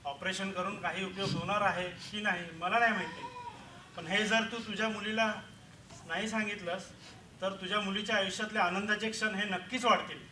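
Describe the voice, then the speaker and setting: A young actor as a calm, steady family doctor, bright and high, stage skit heard from a distance in an echoey hall. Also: male voice, a little fast, a little hiss or hum. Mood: reassuring. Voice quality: steady, reassuring. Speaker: student actor in a school skit. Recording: roomy, far from the mic.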